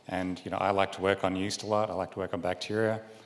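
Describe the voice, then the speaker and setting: The speaker talks with an Australian accent and fairly even intonation. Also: man. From Australia, Adelaide. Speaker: microbiologist, public science speaker. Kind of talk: public talk to a bar audience. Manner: casual, joking.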